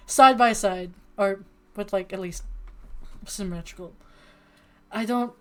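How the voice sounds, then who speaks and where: A woman livestreamer reading a dating sim aloud and chatting in an expressive, flustered, playfully dramatic way. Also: medium pitch, slow. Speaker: streamer playing a dating sim. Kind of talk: livestream chat and game read-aloud.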